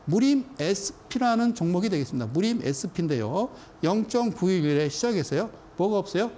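Animated male stock lecturer, high voice. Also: fairly quick, slight background noise. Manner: emphatic, keeps checking in with the audience. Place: studio.

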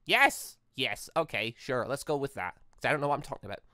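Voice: medium pitch, lively intonation, brisk, sharp tone, no room sound, studio quality. A gaming video host giving exclamatory, rambling commentary on a playthrough, often interrupting themselves mid-thought. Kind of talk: playthrough commentary with read-aloud dialogue.

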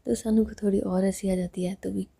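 A woman tells a love story in a soft, often whispered delivery. Her voice is very dark and mellow, with a husky grain to it. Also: mid-range voice, little pitch movement, brisk.

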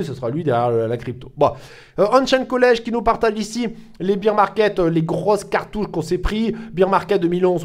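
A man hosting a casual crypto news commentary, chatty and full of fillers, swinging up and down in pitch. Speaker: crypto channel host.

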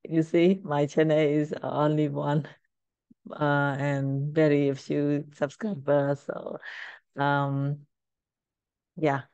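Halting, low-pitched Cambodian-accented woman. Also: flat delivery, darkish tone, smooth, no room sound, lo-fi sound. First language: Khmer. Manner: halting, simple learner's English. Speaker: Khmer language teacher. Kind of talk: informal screen-share language lesson.

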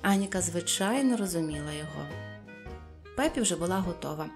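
Woman audiobook narrator, gentle children's storytelling. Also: on the low side, lively intonation, fairly quick, over music. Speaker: audiobook reader.

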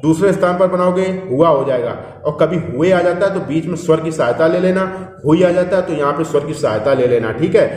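A man's voice: fairly high pitch, fairly quick, hardly any pauses, a little mellow, slight background noise. A man teaching a shorthand class, explaining step by step and often checking that the students follow. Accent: Hindi. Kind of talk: classroom instruction. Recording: echoey room, voice from far off.

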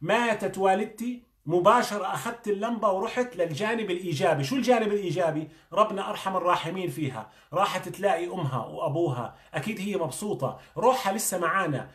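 A man's voice: high voice, quick pace, fairly bright tone. A man, a doctor giving a motivational talk, earnest and coaching, firing questions at the listener. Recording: echoey room.

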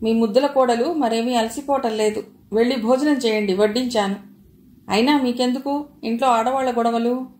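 A woman voicing a domineering older mother-in-law who scolds and shouts at her daughter-in-law in an audio story. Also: fairly high pitch, moderate pace, reverberant, lightly acted. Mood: scornful, angry.

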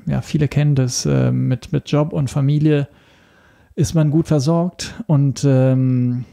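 A man chatting casually as a podcast guest, in a hesitant, halting way. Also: medium pitch, steady tone, creaky, warm tone. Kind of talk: casual chat.

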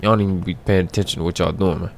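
Playing a video game for the first time, a young man jokes and talks back to the screen in disbelief. His low voice holds a steady tone while he races along, with slight noise in the background.

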